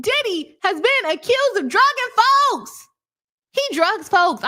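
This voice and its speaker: Shouting in a squeaky, put-on character voice, the speaker sounds animated, using very wide pitch swings at a fairly slow pace. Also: woman, extremely high pitch for a woman. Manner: yelling, animated.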